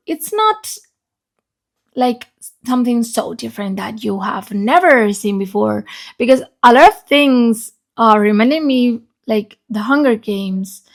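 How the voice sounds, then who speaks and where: A woman giving a casual, chatty book review in an informal, sweary way, her voice grainy and unsteady as she recovers. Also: fairly high pitch. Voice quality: unstable, grainy voice. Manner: informal, sweary, often checks in with "okay?". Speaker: book reviewer, video channel host.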